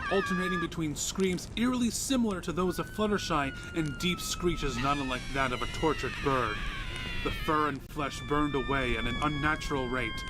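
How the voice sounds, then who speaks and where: A man's voice: fairly high pitch, background noise. A man reading a horror story as a dramatic scripted narration. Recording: music behind the voice. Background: music.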